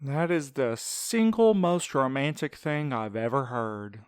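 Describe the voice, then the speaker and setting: A man's voice: mid-range voice, measured pace, slight background noise, close to an everyday voice. A man playing a teasing but supportive friend and coworker in a fiction podcast, with wordy, sarcastic quips. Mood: dry sarcasm. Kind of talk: fiction podcast audio drama acting.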